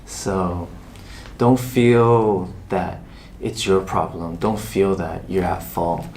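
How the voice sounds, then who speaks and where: A young man in casual chat, talking gently and reassuringly to a fan with many "you know" fillers. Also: deep voice, steady tone, slow, a little hiss or hum. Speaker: K-pop idol answering a fan.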